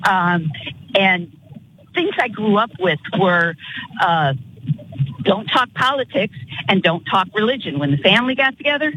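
Older male caller, bright voice, dull phone line with faint hiss, halting delivery. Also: high-pitched, animated. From northern Illinois. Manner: halting, repeats words. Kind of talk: phone-in comments.

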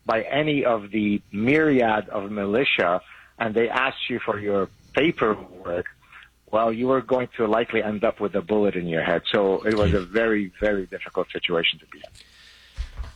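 A man's voice: on the low side, moderate pace, slightly rough, highs cut off. A man in his fifties from Lebanon, a guest on a radio interview, explaining at length with some fillers. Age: 50s.

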